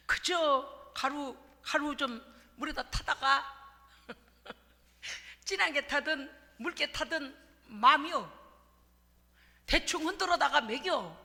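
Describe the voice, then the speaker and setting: This sermon comes from a woman pastor whose gravelly voice sits high and moves slowly, with frequent pauses. Standing in the church sanctuary, she tells funny, lively stories and acts out small scenes, and the hall echoes noticeably.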